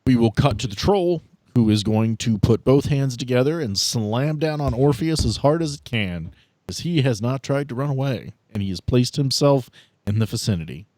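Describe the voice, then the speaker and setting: A man's voice: medium pitch, animated, normal speed, darkish tone, no room sound. A man acting as game master of a tabletop game, casually narrating the action and giving rulings.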